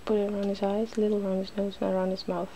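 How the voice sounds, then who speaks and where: Soft asmr lady, kinda creaky n mellow, drifts into whispers, bit of background noise. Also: mid-range voice, level tone, rapid-fire, poor audio. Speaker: ASMR video host. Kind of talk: soft-spoken ASMR makeup demonstration.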